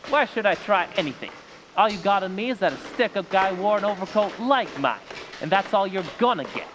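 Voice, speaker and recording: A man's voice: sits high, expressive, a little fast, background noise. A man playing a brash, defiant young suspect with slangy tough talk in an old-time radio drama. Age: young adult.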